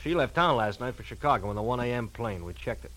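A medium-pitched American man acting as a weary, shrewd police lieutenant. He is gruff and conversational, with an air of authority, in the manner of 1940s radio crime drama. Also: animated, fast talker, a bit bright, natural voice, poor audio. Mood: matter-of-fact.

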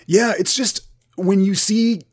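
A man playing an earnest, prudish Christian metal singer with a gravelly voice, rambling and oversharing in an improvised comedy interview. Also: high-pitched, fairly even intonation, takes it slowly. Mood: earnest, disapproving. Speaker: comedy podcast guest in character.

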